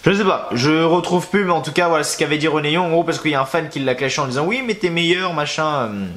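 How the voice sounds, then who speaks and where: A young man talking loosely to his viewers with a fairly high voice. He rambles, drops slang and thinks out loud while he hunts for things on screen. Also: fast talker. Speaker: wrestling news youtuber. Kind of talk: casual chat to camera.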